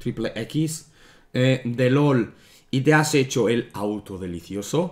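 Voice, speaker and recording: A man's very slow speech carries lively intonation, the background quiet. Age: 20s. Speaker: gaming youtuber; gaming content creator. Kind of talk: casual vlog monologue. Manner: hesitant, many fillers. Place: home room.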